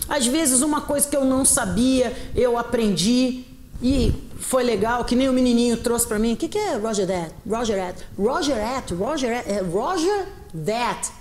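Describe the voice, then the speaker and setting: A middle-aged woman from Rio de Janeiro, Brazil, speaks with a Carioca Brazilian Portuguese accent in a slightly high voice, recorded in an echoey room with a little background noise. She's an English teacher appearing as a guest in an animated interview chat. She's expressive, often laughing and acting out quoted dialogue.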